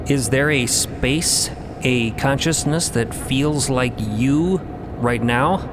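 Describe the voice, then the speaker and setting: Solemn philosophical ship mystic, acted by a man, over noise. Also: natural voice. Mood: challenging. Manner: formal, measured, didactic. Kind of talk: audio drama dialogue. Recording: rumbling vehicle-like background noise.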